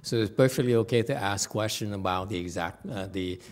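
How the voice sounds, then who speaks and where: A man teaching as a Buddhist master, answering questions in a halting way with long hesitations and repeated words. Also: on the low side.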